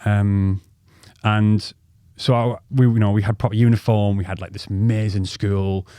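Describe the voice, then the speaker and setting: Casting: North East English man, thirties, low-voiced podcast co-host, rambling, sweary, dry close sound. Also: fairly even intonation, normal speed, mellow, smooth, dry recording. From North East England. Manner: rambling, swears freely, many ums and restarts. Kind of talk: casual storytelling chat.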